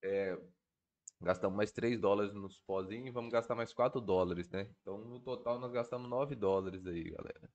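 A man's voice: on the low side, normal speed, darkish tone, muffled recording. A Brazilian man with a stuffy, congested nose from a cold, thinking aloud in casual, slangy gameplay commentary. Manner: informal, slangy, swearing. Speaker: gaming video creator.

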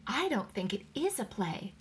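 A woman reader voicing an excitable, anxious wife who exclaims and insists, in an audiobook story. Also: medium pitch, moderate pace. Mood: puzzled. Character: excitable young wife, curious and anxious eavesdropper. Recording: clear background noise.

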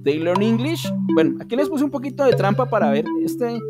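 A man's voice: very high voice, sing-song, brisk, loud music behind the voice. Colombian man teaching English online. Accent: Colombian Spanish. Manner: patient, explains step by step, often asks "¿sí?". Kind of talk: online class explanation.

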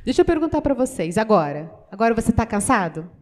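Lively high-voiced Brazilian woman interpreting a sermon. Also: quick pace. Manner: animated, many rhetorical questions to the audience; acts out quoted everyday voices. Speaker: voice interpreter for a deaf pastor.

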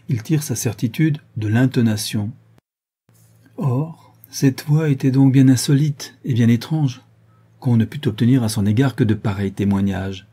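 A man reading an audiobook, voicing a young gentleman detective who lays out his reasoning in a calm, measured, lecturing way. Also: mid-range voice, breathy edge, natural voice. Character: young male gentleman detective, cool and methodical.

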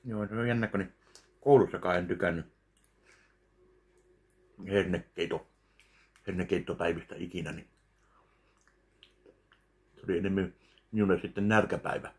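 Deep gravelly man, slow deadpan. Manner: slow, deadpan, pauses between bites. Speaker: food vlogger. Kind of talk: casual eating review. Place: home kitchen, indoors. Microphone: webcam at close range.

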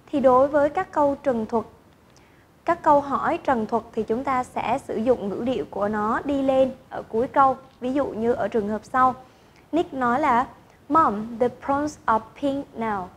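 A woman's voice: sits high, normal speed, slight background noise. A woman teacher explaining intonation rules and modelling example sentences in an online lesson. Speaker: English teacher.

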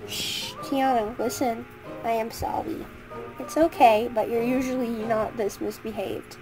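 A woman's voice: a little high, steady tone, a little slow, over music, voice pushed down, lightly acted, poor audio. A woman doing a patient scolding teacher. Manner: stern but gentle.

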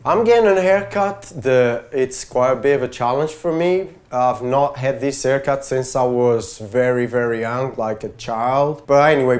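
A man from Portugal talks casually from the barber's chair, a little hesitant at times. His voice sits in an ordinary middle pitch. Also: darkish tone. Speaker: barbershop client. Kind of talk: casual chat. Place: barbershop, indoors.

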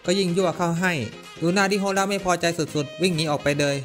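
Male recap narrator: fast, slightly high, casual slangy delivery over faint music. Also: fairly bright tone. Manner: brisk, chatty, slangy asides.

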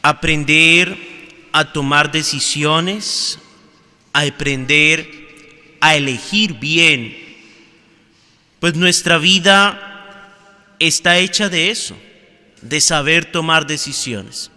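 A man, a priest, reading the gospel at Mass and then preaching a homily in slow, measured phrases with pauses, recorded in a large church. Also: a little high, sharp tone. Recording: long church reverb.

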